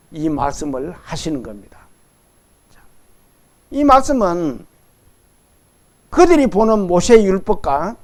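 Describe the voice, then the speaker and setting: A man's voice: high-pitched, a little mellow. A middle-aged man preaching a sermon as pastor, leading his congregation through Bible readings.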